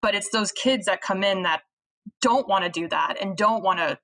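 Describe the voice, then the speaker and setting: A young woman with a bright, lively tone talks through coaching ideas in an easy, chatty way. Her speech is full of "like" and little asides, as casual podcast talk. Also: medium pitch, moderate pace, low-quality recording. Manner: chatty, many "like" fillers, acts out quotes. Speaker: college volleyball coach.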